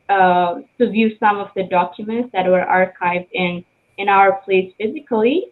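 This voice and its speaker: A young woman from Ethiopia, a student archivist, giving a careful prepared speech. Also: mid-range voice. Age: young adult. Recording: tinny phone-like line.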